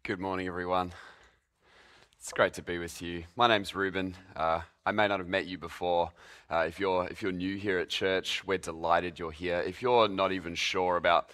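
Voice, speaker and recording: A hoarse Australian man preaching a sermon to his congregation, talking conversationally and putting questions to them. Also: low-pitched, steady tone, moderate pace, fairly bright tone. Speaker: pastor.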